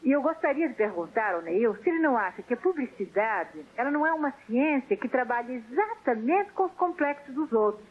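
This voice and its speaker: A woman's voice: sits high, big pitch swings, a little fast, hardly any pauses. A woman from Portugal with a Portuguese accent, calling in to a TV talk show and talking frankly and reflectively about herself. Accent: Portuguese (European). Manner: reflective, frank, self-mocking. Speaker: phone-in guest. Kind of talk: candid call-in conversation. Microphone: telephone. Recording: tinny phone line.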